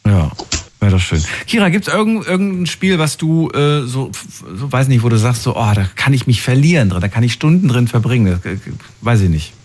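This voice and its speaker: A man's voice: mid-range voice, very animated, brisk, darkish tone. A man hosting a phone-in show, taking callers and asking lots of follow-up questions. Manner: friendly, asks many follow-up questions. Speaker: host.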